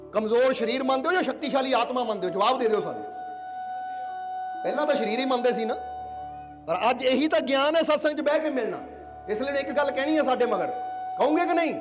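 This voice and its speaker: A man preaching a devotional sermon at a village gathering, often asking his listeners questions and having them repeat lines after him. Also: extremely high pitch. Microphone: collar mic. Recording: clear music behind the speech.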